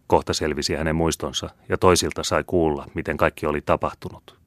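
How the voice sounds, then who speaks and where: Audiobook reader, male, extremely low voice, dry close sound, measured delivery. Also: fairly even intonation, no echo. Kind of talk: scripted literary audiobook narration.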